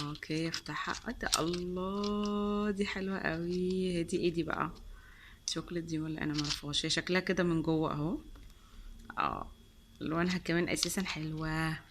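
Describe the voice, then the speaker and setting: A woman's voice: low voice, heavy background noise. Chatty Egyptian woman gushing over sweets. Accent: Egyptian Arabic. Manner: chatty and gushing, repeats words for emphasis; sprinkles in English and French words. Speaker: vlogger. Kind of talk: casual taste-test chat.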